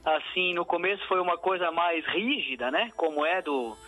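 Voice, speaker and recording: A man's voice: fairly high pitch, normal speed, pushed and bright, rough recording. A man from southern Brazil with a southern Brazilian accent, a musician answering radio interview questions in a reflective way, full of fillers and restarts. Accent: southern Brazilian Portuguese. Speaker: musician guest.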